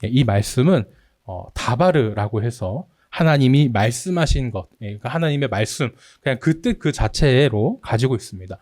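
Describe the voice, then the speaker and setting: A man's voice: medium pitch, animated, normal speed, a little mellow, no room sound, clean studio sound. A man preaching a sermon as pastor, acting out anguished prayers in a raised voice. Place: church sanctuary.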